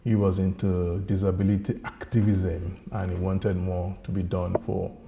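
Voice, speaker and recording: A middle-aged man, a Yoruba speaker, giving an earnest personal talk as a disability activist, pausing and restarting as he reflects. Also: low-pitched, flat delivery, vocal fry, background noise. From Nigeria.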